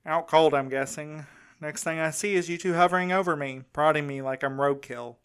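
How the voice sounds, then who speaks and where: A man's voice: a little high, fairly even intonation, moderate pace, a bit bright, smooth, natural voice. Weary, shaken young man played by an actor. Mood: shaken, recounting. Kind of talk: naturalistic fiction podcast acting.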